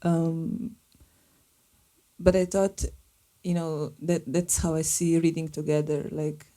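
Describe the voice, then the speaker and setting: A woman speaks as a filmmaker on a live panel. Her voice sits low and sounds deeply mellow and dark. She talks thoughtfully and pauses to search for the right words. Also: level tone. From Slovenia. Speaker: filmmaker and artist guest.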